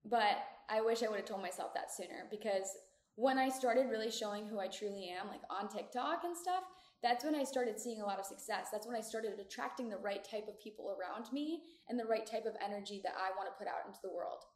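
A woman's voice: medium pitch, a little fast. A woman of twenty-four with an American accent hosts a podcast alone, chatting candidly and casually in an echoey room. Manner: candid, chatty, informal, frequent "like". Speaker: podcast host. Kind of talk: casual solo podcast chat. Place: echoey community room of an apartment building.

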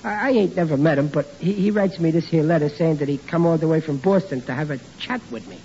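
A man's voice: a little high, fast, warm tone, natural voice. A man playing a bumbling stammering working-class groom. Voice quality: rough, ungrammatical, stammering. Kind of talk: 1940s radio comedy acting. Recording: dull old radio recording, faint hiss.

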